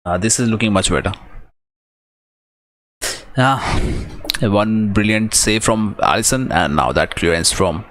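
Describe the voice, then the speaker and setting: A man's voice: lowish voice, measured pace, long pauses, a bit bright, dry recording. A man with a South Asian accent giving live watch-along football commentary as a stream host, in short, fragmented play-by-play phrases.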